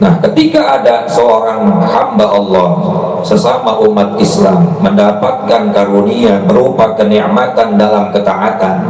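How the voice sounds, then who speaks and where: A man talks at a fairly slow pace, with audible room echo and noticeable background noise around him. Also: very even loudness. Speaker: Islamic preacher. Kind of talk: religious study lecture. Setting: PA system. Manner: conversational, asks audience questions.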